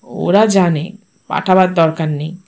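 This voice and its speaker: A woman voicing a withdrawn adult son in a storybook reading, giving him low, subdued, terse replies. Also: fairly even intonation, a little slow, creaky, a little mellow. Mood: flat refusal. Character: adult man, quiet, withdrawn, wry.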